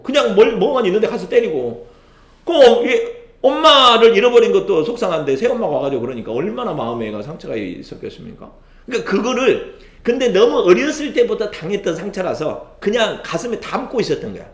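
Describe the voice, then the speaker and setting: Animated male pastor preaching in an echoey church. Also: on the high side. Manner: animated storytelling with frequent affirming interjections. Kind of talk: sermon. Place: church sanctuary.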